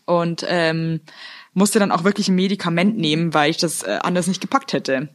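A woman's voice: on the low side, moderate pace, no echo. A woman co-hosting a chatty podcast, talking loosely and cursing freely. She drops into playful, theatrical rants. The sound is dry and close to the mic. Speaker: podcast co-host. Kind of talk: casual chat.

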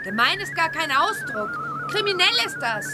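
A dramatic young witch girl from a children's radio play, her high voice leaping all over the place. She sounds indignant and exaggerates every complaint. Loud music plays under the clip. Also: huge pitch swings, normal speed, full character voice.

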